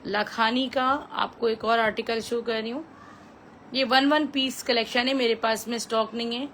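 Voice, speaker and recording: Pakistani lady selling clothes on a livestream, highish voice, chatty repetitive pitch, bit of noise behind her. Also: steady tone, normal speed, fairly bright tone. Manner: chatty, repetitive selling patter with English phrases mixed in. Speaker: live-stream clothing seller. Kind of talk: live sales pitch.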